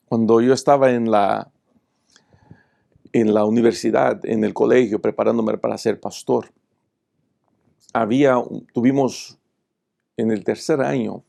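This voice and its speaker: A man's voice: medium pitch, creaky, warm tone. A man, a pastor, teaching a Bible lesson and speaking directly to viewers through personal stories. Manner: confessional, direct address to viewers.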